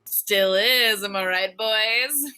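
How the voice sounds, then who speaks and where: A woman's voice: mid-range voice, takes it slowly, pushed and bright, clean tone. A woman reading a wisecracking young boy with teasing, drawling delivery in a screenplay table read. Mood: mocking, cheeky.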